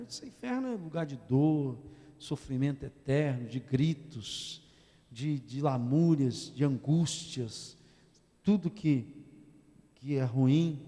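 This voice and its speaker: Pastor guy preaching, kinda high voice, jokey, big echoey church hall. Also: dark tone. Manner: joking and engaging, leads the congregation in call-and-response. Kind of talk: sermon. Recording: long church-hall reverb.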